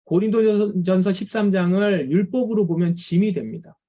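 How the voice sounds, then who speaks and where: A man's voice: high-pitched, moderate pace, dark tone. A middle-aged male pastor preaching to parents in a conversational lecture style, acting out the complaints of tired parents.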